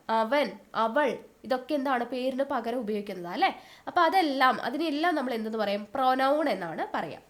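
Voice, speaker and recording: A woman teaching an exam-prep grammar lesson, asking questions and answering them herself, repeating each term slowly. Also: high-pitched.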